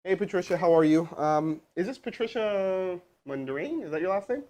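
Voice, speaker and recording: A man hosting a live stream as a sales trainer, energetic and casual, with chatty asides to his crew. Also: sits high, normal speed. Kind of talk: hyped live-stream coaching and cold calling. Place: indoor room with crew present.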